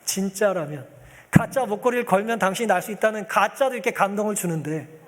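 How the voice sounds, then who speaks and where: A man's voice: high voice, long reverb tail. A male pastor preaching a sermon, telling a story and acting out the pleas of its people as he addresses the congregation.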